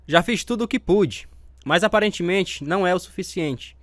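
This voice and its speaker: A man's voice: high-pitched, moderate pace, dry recording, natural voice. A man with a Brazilian accent playing a grave, matter-of-fact doctor in a radio drama, formal and sober. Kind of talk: dramatized radio story acting.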